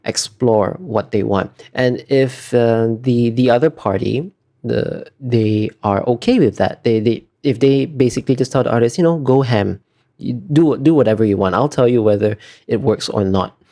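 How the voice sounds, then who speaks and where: A man's voice: mid-range voice, moderate pace, warm tone. A man being interviewed as an artist, talking casually and thoughtfully, feeling his way through explanations in trailing clauses.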